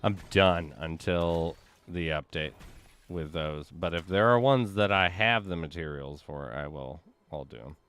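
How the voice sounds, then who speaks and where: A man with a deep voice chatting casually while streaming a game, rambling with many fillers. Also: a little slow, a bit bright, clean tone. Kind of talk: casual gaming chat.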